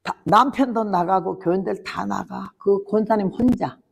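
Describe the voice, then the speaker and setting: A woman's voice: medium pitch, moderate pace, creaky, slightly rough. An older woman missionary telling her testimony as a sermon, with vivid, dramatic storytelling. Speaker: missionary preacher. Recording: long hall reverb.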